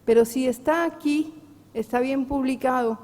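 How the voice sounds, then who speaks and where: A woman's voice: high voice, moderate pace, darkish tone. A woman from Latin America speaking earnestly at a round-table discussion, often seeking agreement with short questions. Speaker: panelist poet. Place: large historic hall. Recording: reverberant hall.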